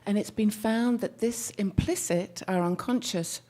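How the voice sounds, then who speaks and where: A soft-spoken woman, a therapist, presenting a talk to an audience through a microphone. She speaks thoughtfully and sometimes restarts as she searches for words. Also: mid-range voice, unhurried. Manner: soft-spoken, leans in to the mic.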